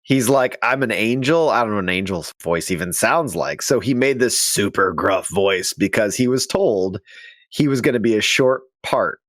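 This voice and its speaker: A man co-hosting a casual chat show, chatty and quick to joke. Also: fairly low pitch, expressive, a bit bright, no room sound, studio quality. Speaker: podcast co-host.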